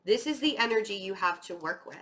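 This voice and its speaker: A woman's voice: medium pitch, lively intonation, a little fast, fairly bright tone. A woman giving a casual, conversational tarot reading, chatty and rambling, encouraging and speaking straight to the listener, with a voice that is starting to tire. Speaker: tarot reader hosting an online reading.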